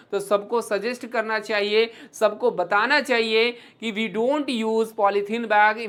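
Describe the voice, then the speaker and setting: A woman teacher with an Indian accent giving an online exam-prep lesson. She mixes Hindi and English, calls her students "beta", and reads English verse slowly in a rhythmic recital. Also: fairly high pitch, a bit bright.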